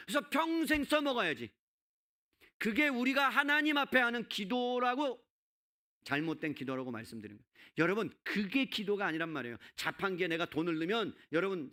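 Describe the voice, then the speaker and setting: A male pastor preaching a sermon in a conversational way, peppering the congregation with rhetorical questions and swinging between loud, quick bursts and low, hushed emphasis. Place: church sanctuary.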